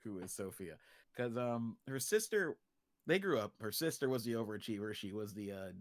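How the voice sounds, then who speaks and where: Low-voiced man chatting casually, close dry sound. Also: expressive, normal speed, no room sound. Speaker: guest, creator of an original story universe. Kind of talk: casual livestream chat, explaining a story world.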